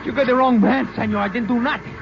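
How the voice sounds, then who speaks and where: An actor playing a frightened, defiant young male fugitive in a 1950s radio drama, his voice shrill and panicky. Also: fast talker, background noise. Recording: muffled old radio broadcast.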